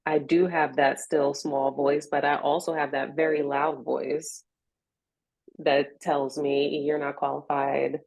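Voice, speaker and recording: A woman's voice: deep voice, flat delivery, takes it slowly, creaky, darkish tone, dry recording. An American woman in a reflective interview conversation, speaking in an earnest, encouraging way. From Richmond, United States.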